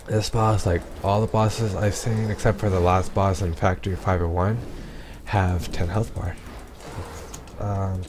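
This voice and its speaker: A man with a low voice talks through his gameplay in a loose, rambling way, often restarting his sentences. His voice is going hoarse, and faint noise sits under the recording. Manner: rambling, frequent ums and restarts. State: losing his voice. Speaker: gameplay commentator. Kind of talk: casual let's-play commentary.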